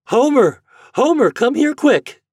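A man's voice: fairly high pitch, sing-song, normal speed, darkish tone, slightly rough, no echo, clean studio sound, voice pushed up. A man voicing an anxious, devoted middle-aged farm mother with fretful, folksy speech in a storybook reading. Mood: urgent.

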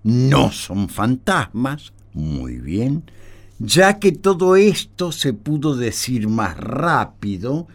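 An actor playing a condescending, evasive company representative in a radio play, haughty and grudging in manner. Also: male voice, mid-range voice, very animated, extremely slow, full character voice. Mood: grudging, impatient. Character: condescending, evasive male gas company representative, begrudging and impatient. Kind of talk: Spanish-language radio theatre acting.

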